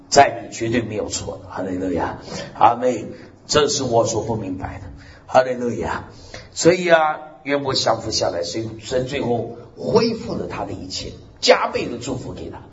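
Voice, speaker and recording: A man preaching a sermon, scattering amen and hallelujah through lively, animated delivery. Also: mid-range voice, reverberant, highs cut off, slight background noise. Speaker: pastor.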